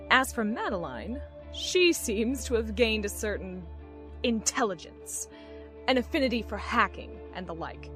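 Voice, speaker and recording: Female commander, audio drama: enigmatic, controlled, condescending, medium pitch, quiet score underneath. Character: cool, secretive woman in command, knowing and condescending.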